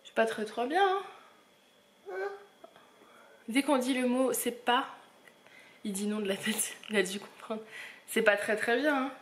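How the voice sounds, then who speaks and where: Mom vlogging at home, chatty, kinda high voice, noisy background. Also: female voice, unhurried, pauses often. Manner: chatty, narrates her day to the camera. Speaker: mother and family vlogger. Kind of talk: casual vlog chat.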